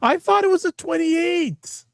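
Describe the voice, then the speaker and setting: A man's voice: extremely high pitch, measured pace, gravelly, no room sound, clean studio sound. A man hosting a live-streamed talk show, chatting casually and animatedly, often cutting himself off and joking. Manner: animated, self-interrupting, jokey. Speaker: host.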